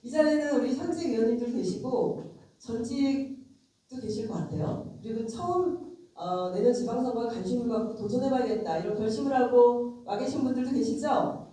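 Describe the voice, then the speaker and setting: A woman's voice: a little high, normal speed, dark tone. Woman with a cold in an echoey hall. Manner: frank, emphatic, addresses audience directly. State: has a cold. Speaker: lawmaker giving a lecture. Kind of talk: conversational political lecture. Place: convention center lecture hall. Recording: very echoey hall, distant mic.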